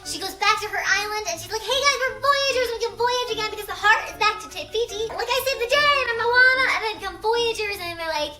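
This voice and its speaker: A woman whose voice is squeaky from helium, retelling stories casually and excitedly with lots of girlish filler words. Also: fast talker, few pauses, faint music behind. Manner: excitable, girlish storytelling full of "like". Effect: squeaky helium-altered voice. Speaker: video host. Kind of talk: casual, rambling movie retelling for a challenge video. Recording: echoey room.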